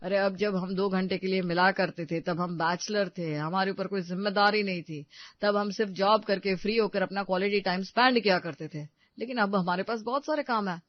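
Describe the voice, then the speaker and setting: Cheerful young husband, played by a man; calm, joking, dry lo-fi story sound. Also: high-pitched, a little fast, no room sound, natural voice. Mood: teasing. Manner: soothing, joking.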